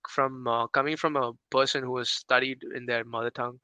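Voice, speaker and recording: A man's voice: medium pitch, little pitch movement, a little fast, sharp tone, clean tone, no echo. A young man from India with an Indian English accent, chatting casually on a podcast, hesitant with many fillers and restarts. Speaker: podcast co-host.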